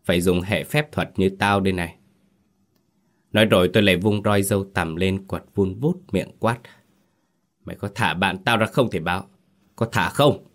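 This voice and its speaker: A man narrating a ghost story in the first person, colloquial and wry. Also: sits low.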